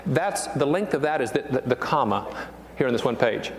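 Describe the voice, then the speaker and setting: A man's voice: mid-range voice, lively intonation, normal speed, slight background noise. An older man, a pastor, preaching a sermon in an earnest, emphatic way and repeating his key phrases. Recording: echoey hall reverb, faint ambience.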